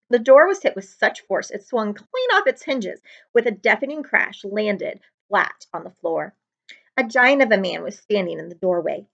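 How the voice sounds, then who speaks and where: A woman's voice: medium pitch, creaky, a bit bright. Woman reading a storybook, slightly dull sound. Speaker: librarian reading aloud. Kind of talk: expressive storybook narration.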